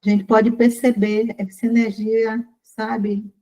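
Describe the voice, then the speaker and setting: Older brazilian lady leading a study group, slow and careful, mellow dark voice, strained throat. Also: on the high side, level tone, rough recording. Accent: Brazilian Portuguese. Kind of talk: reading aloud and explaining to a group.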